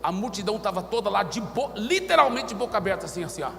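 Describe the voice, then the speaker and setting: A man preaching a sermon as pastor, swinging from shouted exhortation to hushed storytelling. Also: high voice, expressive, fast talker, gravelly, big-room sound. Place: church.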